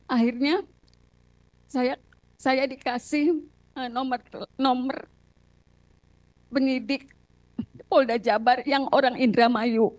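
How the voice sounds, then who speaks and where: An Indonesian woman giving courtroom testimony as a witness and lawyer, recounting details haltingly with repeated phrases. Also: high-pitched, steady tone, darkish tone, no echo, low-quality recording. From Cirebon, Indonesia.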